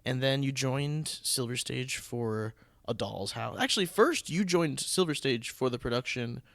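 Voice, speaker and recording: A man with an American accent hosts a casual podcast conversation. His mid-pitched voice wanders through restarted sentences. The sound is dry, with very little room in it. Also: animated, measured pace, creaky, a bit bright, no echo. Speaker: podcast host and theatre producer.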